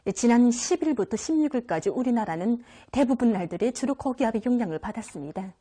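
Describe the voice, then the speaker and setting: North Korean weather presenter, mellow woman's voice. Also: on the high side. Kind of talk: scripted weather report.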